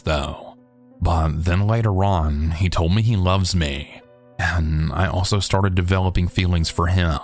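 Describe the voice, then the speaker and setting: A man reading a listener's true story aloud in a steady, measured storytelling voice. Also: sits low. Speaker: narrator.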